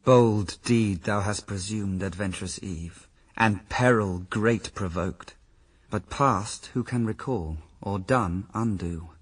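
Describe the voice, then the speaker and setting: A devoted, resolute first man in a radio verse drama. He speaks slowly and gravely, with a breathy husk in his voice. He sits a little back from the mic. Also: on the low side, distant mic, rough recording. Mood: resigned, resolute. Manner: grave, solemn, measured verse delivery.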